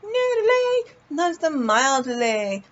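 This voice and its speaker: A woman chatting casually in a personal vlog, goofy and playful, swearing freely and haltingly repeating words as she searches for them. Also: high-pitched, sing-song, dull audio. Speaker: vlog host. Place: indoors, lying in a hospital bed with a fan running.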